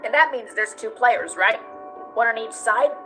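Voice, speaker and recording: A woman's voice: a little high, moderate pace, music in the background, close to an everyday voice. A woman voicing a childlike, earnest, hopeful young skeleton brother in a comic dub, using simple words. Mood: curious. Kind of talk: animated comic dub acting.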